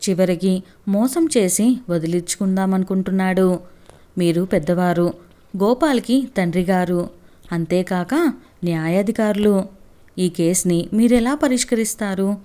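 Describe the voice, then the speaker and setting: A woman voicing a righteous young man who argues earnestly and forcefully on behalf of a wronged woman in a storybook reading. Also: on the low side, unhurried, natural voice. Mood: pleading.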